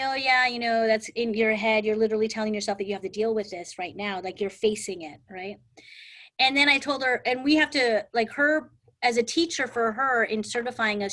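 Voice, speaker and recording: A woman's voice: a little high, fairly bright tone. A middle-aged woman teaching a live exam prep class in a casual, chatty way, telling stories and often asking "right?". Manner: chatty, storytelling, frequent "right?" and "like". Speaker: insurance exam prep instructor.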